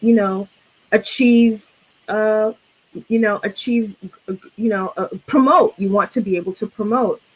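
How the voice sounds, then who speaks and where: A woman speaks at a moderate pace with fairly high pitch. Music plays in the background. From New York, Brooklyn. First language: non-English family language. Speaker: podcast guest, film discussion. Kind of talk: casual film discussion. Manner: halting, many fillers and restarts.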